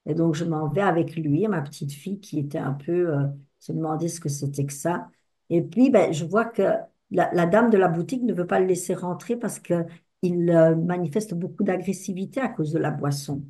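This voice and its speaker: An older woman giving a personal testimony to an audience, telling stories expressively and acting out the dialogue. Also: low voice. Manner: expressive storyteller who acts out the dialogue. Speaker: speaker at a talk with audience discussion.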